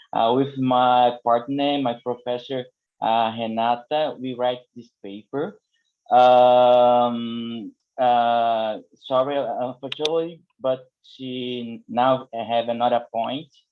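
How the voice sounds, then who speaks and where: The speaker has a Portuguese accent and talks at a very slow pace. The intonation stays monotone and flat. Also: man, medium pitch for a man. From Brazil, São Paulo. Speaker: law researcher. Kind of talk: academic conference presentation. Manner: halting.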